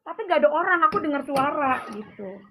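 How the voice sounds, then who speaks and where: A woman's voice: high-pitched, lively intonation, quick pace. A woman calling in to give a rambling personal testimony, with many fillers. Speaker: caller giving a testimony. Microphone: phone call. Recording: tinny phone line with faint noise.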